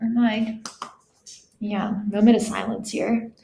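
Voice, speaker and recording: A woman's voice: medium pitch, little pitch movement, slow pace, creaky, mellow, a little hiss or hum. A young woman co-hosting a casual podcast, rambling with lots of fillers and giggling often. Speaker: podcast co-host. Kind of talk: casual chat. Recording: echoey room, no proper mic.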